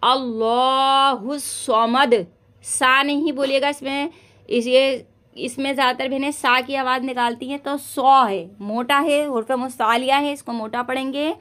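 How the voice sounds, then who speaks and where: A woman's voice: sits high, steady tone, moderate pace, fairly bright tone. A young woman teaching Quran recitation online, with an Urdu-speaking South Asian accent. She explains patiently, often checking in with "theek hai" and stretching out sounds to show them.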